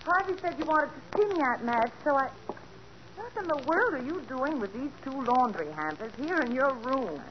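An actress playing a suspicious, sharp-tongued young niece in a 1940s radio drama with a dull, hissy sound. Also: female voice, sits high, animated, moderate pace. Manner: accusing, pressing.

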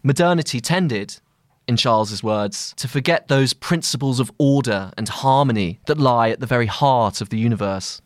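A man with a mid-range voice reads a long-form journalistic essay. His phrasing is measured and deliberate, as scripted narration. The sound is dry, with little trace of the room. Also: mid-range voice, no room sound. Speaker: journalist narrating own long-read article.

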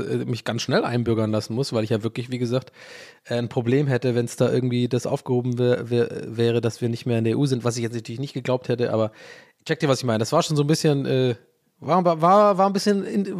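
A man's voice: mid-range voice, darkish tone. Rambling Irish-born man chatting solo. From Ireland, Dublin. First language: English. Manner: rambling, self-mocking, many fillers and restarts, swears playfully. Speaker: podcast host. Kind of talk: casual solo podcast chat.

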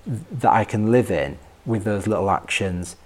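Low-voiced man talking reflectively. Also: normal speed, darkish tone. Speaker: interview guest. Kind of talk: reflective personal conversation.

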